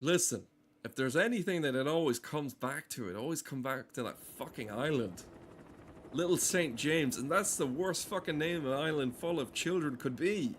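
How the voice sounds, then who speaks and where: A man's voice: fairly high pitch, animated, normal speed. Irreverent man riffing over game cutscenes. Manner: profane, irreverent riffing with dark humour. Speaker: gameplay streamer. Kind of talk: casual, rambling commentary over game cutscenes.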